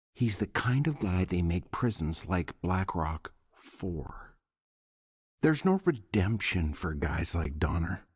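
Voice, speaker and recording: An actor playing a weary, grave older prison warden in a video game, speaking with dramatic pauses in a gravelly, husky voice. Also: male voice, low voice, a little mellow, exaggerated voice. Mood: grave, ominous. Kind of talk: dramatic game cutscene acting.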